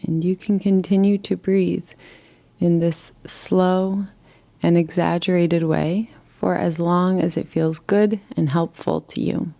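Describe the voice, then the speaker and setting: A woman leading a guided relaxation meditation in a gentle, soothing, unhurried way, leaving long pauses between phrases. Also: lowish voice, steady tone, gravelly.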